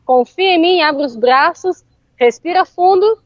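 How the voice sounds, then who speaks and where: A woman telling a story in casual chat, animated and often laughing. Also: very high voice, a little slow, no echo, muffled recording. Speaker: interview guest.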